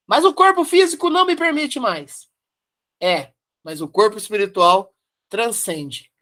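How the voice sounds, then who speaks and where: Slow, lively Brazilian woman teaching. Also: on the high side. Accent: Brazilian Portuguese. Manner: emphatic, repeats key phrases, asks rhetorical questions. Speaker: Spiritist study presenter. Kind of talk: devotional study commentary.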